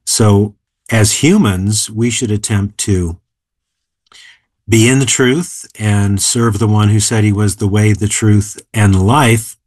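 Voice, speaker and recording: A man in his seventies, an author and philosopher, explaining ideas in a measured, emphatic way during an interview. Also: on the low side, steady tone, darkish tone, dry recording. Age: 70s. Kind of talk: interview conversation.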